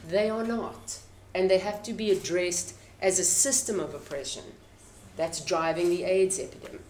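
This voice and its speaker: A middle-aged South African woman speaks with conviction at a press conference, her accent clear and her pitch slightly low. She presses her points emphatically. The sound carries a strong echo from the room, with a faint hiss underneath. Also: moderate pace, a little mellow. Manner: impassioned, emphatic. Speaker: panelist, activist. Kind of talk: press conference panel remarks. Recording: echoey room.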